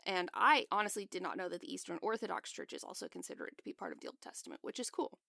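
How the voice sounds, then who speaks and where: Gravelly-voiced woman explaining things. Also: fairly low pitch, huge pitch swings, quick pace, bright, forceful tone, dry recording, clean studio sound. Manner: explanatory, chatty, laughs often. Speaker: podcast co-host. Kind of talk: casual chat.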